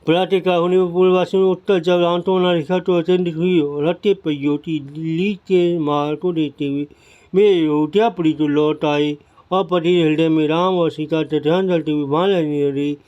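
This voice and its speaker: A man's voice: a little high, fairly even intonation, normal speed, dark tone, dull audio. A man reading a devotional scripture aloud as a narrator, with frequent restarts and repeated words.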